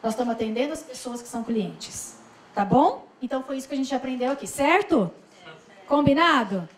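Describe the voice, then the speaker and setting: A woman's voice: sits high, lively intonation, fairly quick. A woman from Brazil leading a customer service workshop, coaxing the group along and acting out sample lines. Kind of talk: interactive training talk. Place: event room at a forum. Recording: echoey room, mic at a distance, background noise.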